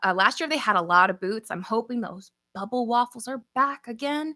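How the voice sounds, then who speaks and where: Against a silent background in a very clean recording, a woman with a New York accent speaks at a moderate pace in a bright, sharp tone. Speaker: travel vlogger. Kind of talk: live stream Q&A. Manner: halting.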